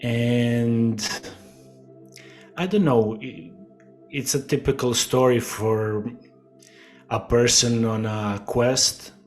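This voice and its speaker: A middle-aged man from Croatia, a guest speaking slowly and hesitantly with many fillers in a casual interview. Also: medium pitch, soft background music.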